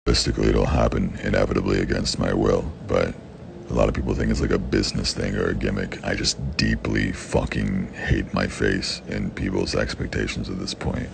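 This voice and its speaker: Young man, extremely deep, raspy and gravelly, blunt, swears a lot, noisy background. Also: fairly even intonation, moderate pace. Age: young adult. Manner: blunt and profane, with frequent swearing. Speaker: content creator answering fan questions. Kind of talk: casual Q&A talk. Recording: background noise.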